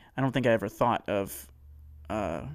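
A man's fairly low voice at a fairly quick pace, with lively intonation, on a very clean recording with a silent background. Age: 20s. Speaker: comedy podcast host. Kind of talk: comedic solo podcast monologue. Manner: animated.

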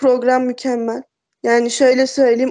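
With a dark, mellow tone, a woman speaks at a high pitch and a fairly slow pace in a flat, monotone delivery. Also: dry, close sound with no echo. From Uşak, western Turkey. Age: 20s. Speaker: university student, listener guest. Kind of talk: casual chat.

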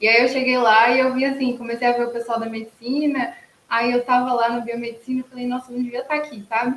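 A woman with a high pitch talks at a fairly quick pace over noticeable background noise. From Rio de Janeiro state, Brazil. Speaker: medical student. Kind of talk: casual chat.

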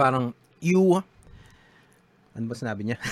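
The speaker has a Filipino accent. The intonation is lively. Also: man. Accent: Filipino English, Taglish. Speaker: podcast host and illustrator. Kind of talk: casual chat, Taglish. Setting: studio.

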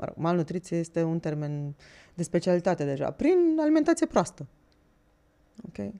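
The speaker is a woman, talking at a moderate pace. Long, frequent pauses break up her speech. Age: 40s. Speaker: fitness instructor. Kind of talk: casual chat.

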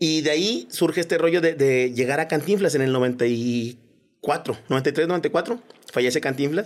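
A man with a plain, everyday voice talks at a fairly slow pace, his pitch fairly high, his intonation lively and his loudness very even. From Parral, Chihuahua, northern Mexico. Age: 40s. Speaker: comedian. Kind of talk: casual chat.

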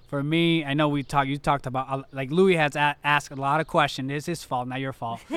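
This man's pitch is fairly high. He rattles along at a very fast pace. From Puerto Rico. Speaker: podcast co-host. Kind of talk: casual interview.

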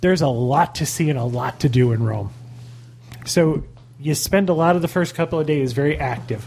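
With lively intonation, a man with a fairly high pitch and a somewhat breathy voice speaks at a moderate pace. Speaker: traveler sharing trip stories. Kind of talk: casual chat.

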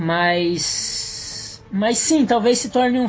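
Noticeable background noise runs behind this woman. Her fairly high voice has ordinary pitch variation. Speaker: podcast host. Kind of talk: casual chat.

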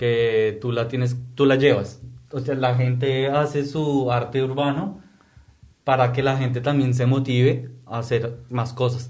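Speaking at a fairly slow pace, a man with a medium-pitched, somewhat breathy voice keeps a monotone, flat intonation amid audible room echo. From Colombia, Bogotá. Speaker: advertising professional. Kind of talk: casual chat. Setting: studio.

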